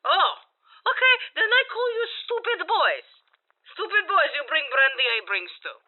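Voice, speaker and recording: High, feisty old woman over radio. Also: huge pitch swings, normal speed, full character voice. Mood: indignant. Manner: scolding, emphatic. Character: feisty old woman, bossy, exasperated, stew maker. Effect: radio transmission filter. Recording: tinny narrow-band radio sound.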